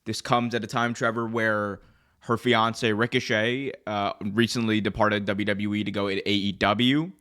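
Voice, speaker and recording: A man's voice: lowish voice, level tone, moderate pace, fairly bright tone, clean tone. A man hosting a casual wrestling news discussion, talking loosely with lots of "like" and "you know". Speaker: host of a wrestling news show.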